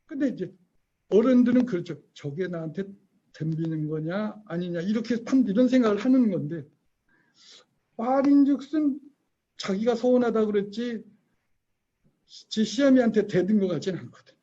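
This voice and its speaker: A man's voice: very high-pitched, expressive, normal speed, pauses often, dark tone, lo-fi sound. A man teaching an online parenting lecture, telling stories, acting out quoted voices and quizzing his listeners. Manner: storytelling, acts out quoted voices, quizzes the audience.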